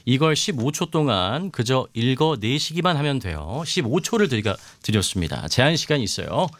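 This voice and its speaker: A man hosting a live show, reading viewer comments and running a pronunciation game in a chatty, animated way. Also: medium pitch, moderate pace, no room sound. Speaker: show host. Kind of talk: lively live-stream hosting.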